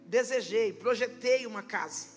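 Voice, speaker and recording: A Brazilian woman pastor giving a testimony sermon at a church service, impassioned and rising to shouted preaching. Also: on the high side, moderate pace, faint music behind. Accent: Brazilian Portuguese.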